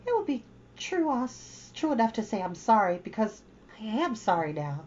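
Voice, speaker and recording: A dramatic, imaginative orphan girl with a high, gushing voice that swoops up and down, as a woman reads her in a storybook. The recording is a little dull and lo-fi, with faint music underneath. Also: very animated, normal speed, darkish tone, a little hiss or hum. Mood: earnest.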